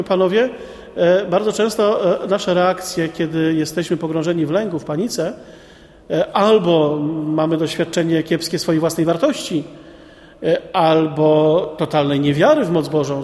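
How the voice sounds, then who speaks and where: Lively man preaching in a reverberant hall. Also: on the high side, moderate pace. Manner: lively, colloquial asides, frequent rhetorical "nie?". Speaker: preacher addressing a men's group. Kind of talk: sermon with Bible reading and commentary.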